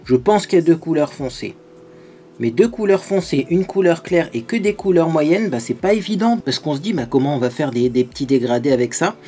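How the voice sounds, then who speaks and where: Man, beauty vlogger, casual chat, animated, faint music underneath. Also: a little high. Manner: chatty and animated, with many fillers. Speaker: beauty video host. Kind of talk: casual makeup tutorial chat.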